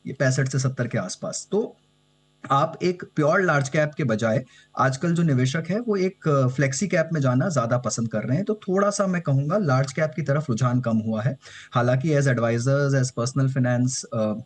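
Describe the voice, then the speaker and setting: A man speaking as a financial advisor guest on a business news show, giving measured analysis and mixing English phrases into his Hindi. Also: medium pitch, a little mellow, slightly rough.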